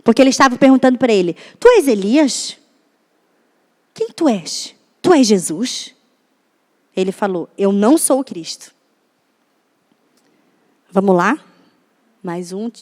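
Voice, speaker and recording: A woman pastor preaches in a chatty, conversational way and keeps turning to her audience with questions. Her voice sits high. The sound carries a long reverb from a church hall. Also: expressive, a little slow, long pauses. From Brazil. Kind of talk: sermon.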